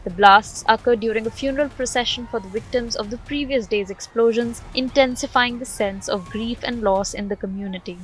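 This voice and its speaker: A woman's voice: fairly high pitch, fairly quick, hardly any pauses. A woman reading a scripted news voice-over as the narrator of a report. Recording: background music under voice-over. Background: music bed.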